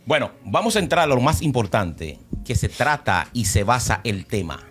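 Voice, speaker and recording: A man's voice: mid-range voice, very animated, moderate pace, a bit bright, slightly rough, soft background music. A man co-hosting a Christian program, who introduces the show and teaches on Bible verses with frequent exclamations.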